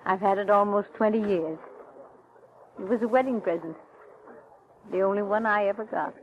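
An actress playing a gentle, sentimental, hesitant housewife and mother in old-time radio style. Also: medium pitch, moderate pace, natural voice. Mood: apologetic, wistful. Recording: noisy, muffled old radio recording.

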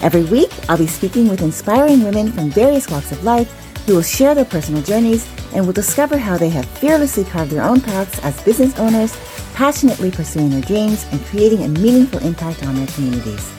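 A woman's voice: mid-range voice, sing-song, a little fast, dark tone, faint music behind. A woman hosting a podcast interview, speaking in an upbeat, welcoming way as a self-care coach.

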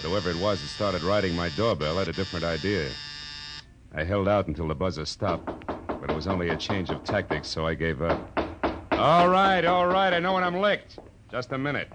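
A man's voice: low voice, expressive, fairly quick. A man playing a weary, wry private detective with an American accent and a dry, sardonic delivery in 1940s radio noir style. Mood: grudging. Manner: dry, sardonic, clipped wisecracking. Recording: vintage 1940s radio broadcast with music.

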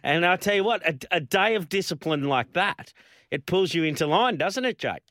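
A man's voice: high-pitched, lively intonation, moderate pace, fairly bright tone, dry recording, studio quality. A middle-aged man hosting a casual chat, telling stories in a rambling way with lots of fillers. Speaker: host.

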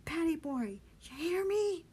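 A woman voicing a gruff, bossy, teasing man with a hoarse voice and slangy, needling orders, in a story reading. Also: high voice, normal speed, a little hiss or hum, voice pushed up. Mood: commanding, shouting.

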